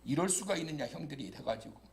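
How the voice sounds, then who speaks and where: A man voicing a resentful, wronged young man who mutters indignantly about getting even. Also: on the high side, quick pace, creaky, pitched below the performer's own voice. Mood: bitter.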